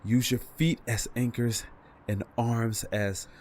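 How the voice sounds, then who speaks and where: A man's voice: medium pitch, fairly even intonation, slow, darkish tone, lightly acted. An actor playing a weary, wry, street-smart man surviving a deadly night, muttering and sighing through an audio drama monologue. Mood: straining.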